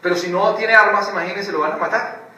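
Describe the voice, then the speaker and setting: A man preaching a sermon in an animated way, mocking the way other preachers act out their impressions. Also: high voice, quick pace. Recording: echoey room heard from a distance, faint background noise.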